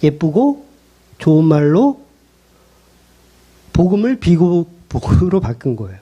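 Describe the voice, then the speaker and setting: A man's voice: on the high side, very animated, moderate pace, mellow. A male pastor preaching a sermon in a blunt, colloquial way, pressing the congregation with rhetorical questions.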